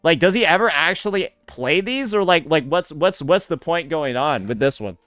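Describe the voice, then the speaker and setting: A sarcastic, profane male streamer picks apart a video in a clear, resonant voice that sits fairly high. The sound is dry and close on the mic. Faint music plays underneath. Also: lively intonation, moderate pace, a bit bright, no echo. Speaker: commentary streamer. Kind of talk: reaction commentary.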